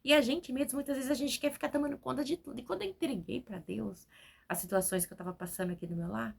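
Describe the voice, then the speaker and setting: Woman preacher, forties, testimony sermon, gravelly fry, talkative and spontaneous, speaking from home. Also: sits high, fast. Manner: spontaneous, talkative, keeps adding "né?".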